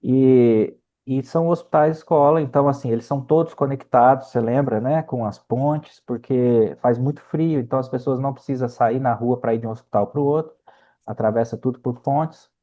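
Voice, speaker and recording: A man's voice: medium pitch, normal speed, mellow. A middle-aged Brazilian man from Minas Gerais, a researcher speaking as an interview guest, explaining through anecdotes with frequent check-in tags. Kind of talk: conversational interview storytelling.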